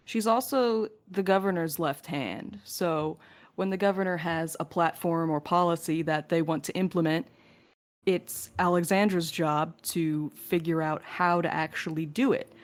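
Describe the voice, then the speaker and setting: A woman's voice: lowish voice, unhurried. A woman co-hosting a podcast, casually answering listener questions in a joking, casually sweary way. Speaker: podcast host and crew member.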